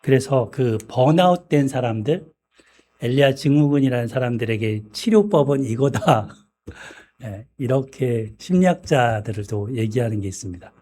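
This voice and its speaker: A man preaching a sermon in a church, speaking in a measured way and often clearing his throat. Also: medium pitch, animated, mellow. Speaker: pastor.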